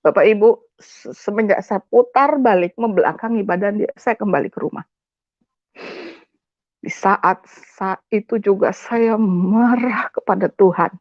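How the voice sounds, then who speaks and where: A woman's voice: mid-range voice, a little slow, pauses often, darkish tone, dry recording, dull audio. A woman from West Java giving an emotional personal testimony, speaking directly to her audience and mixing in English words. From West Java, Indonesia. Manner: tearful, impassioned storytelling, addresses the audience directly.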